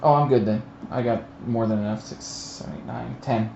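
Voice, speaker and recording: A man's voice: mid-range voice, normal speed, creaky, a little mellow. Sweary man at a board game table. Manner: sweary, mock-grumbling. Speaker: player on a live tabletop stream. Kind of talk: casual chat over a board game. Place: room around a game table. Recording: muffled, echoey room, faint noise.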